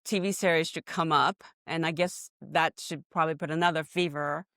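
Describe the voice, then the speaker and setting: A woman's voice: low-pitched, steady tone, moderate pace, fairly bright tone, no room sound, clean studio sound. Effusive woman host, Japanese native speaker. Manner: effusive, giggly. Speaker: podcast host. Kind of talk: friendly interview hosting.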